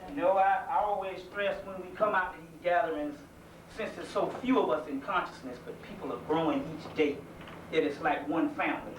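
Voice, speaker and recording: A man from South Carolina with a Southern accent gives a folksy, earnest community lecture, speaking conversationally in a fairly high voice and a little fast. The mic is far off in an echoey room, with faint hiss.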